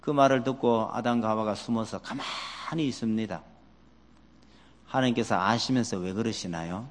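Preaching to his congregation, a male pastor fires off question after question, animated and acting out the voices he quotes. His voice sits on the low side at a moderate pace, with a little hiss or hum, and a long hall reverb trails each line.

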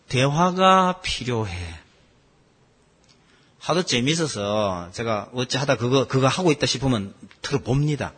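A man preaching a sermon as pastor, asking the congregation questions and swinging between loud and soft. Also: medium pitch. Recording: long hall reverb.

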